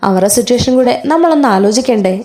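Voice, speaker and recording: A woman's voice: a little high, animated, fast, a little mellow, natural voice. A woman doing a hurt, pleading young woman. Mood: upset. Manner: earnest, pleading.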